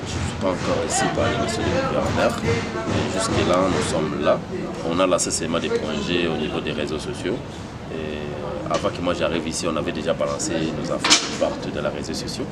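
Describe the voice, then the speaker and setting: A man's voice: a bass voice, level tone, a little fast, over a noisy crowd. A young Congolese man, a pageant organizer, answering interview questions with many fillers and restarts. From Democratic Republic of the Congo. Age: young adult.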